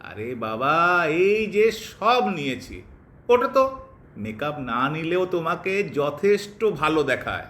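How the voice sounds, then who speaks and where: A man's voice: fairly high pitch, sing-song, slow pace, a bit bright, heavily acted. A man playing a doting, teasing newlywed husband with romantic flourish in a theatrical Bengali audio drama. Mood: impatient, fond.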